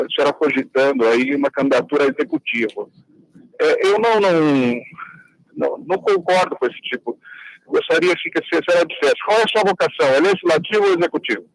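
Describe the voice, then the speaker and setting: A man's voice: fairly high pitch, no room sound, low-quality recording. A man calling in to a radio show over the phone, asking polite, formal questions. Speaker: caller.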